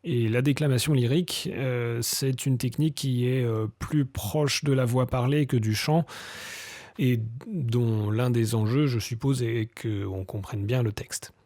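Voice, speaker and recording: A man's voice: medium pitch, fairly even intonation, unhurried, darkish tone, no echo. A man presenting a short spoken piece in a hesitant way, with many fillers. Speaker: podcast host. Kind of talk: scripted presentation.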